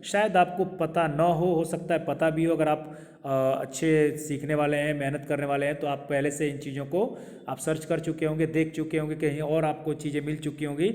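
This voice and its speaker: A man with a fairly high voice gives an English pronunciation lesson, saying each word slowly and asking his viewers to repeat it. His voice carries a long echo, as if recorded in a large hall. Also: level tone, darkish tone. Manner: repeats words slowly, asks viewers questions. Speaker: English teacher.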